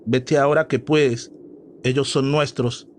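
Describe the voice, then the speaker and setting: A man voicing a menacing female river witch, slow and threatening. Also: medium pitch, steady tone, a little hiss or hum, close to an everyday voice.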